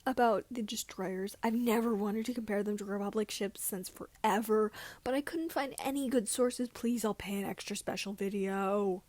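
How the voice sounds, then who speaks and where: A woman's voice: mid-range voice, moderate pace, hardly any pauses, a little mellow, close to an everyday voice. A woman voicing an eager young farm boy mechanic in a story, gushing and enthusiastic. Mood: eager, excited.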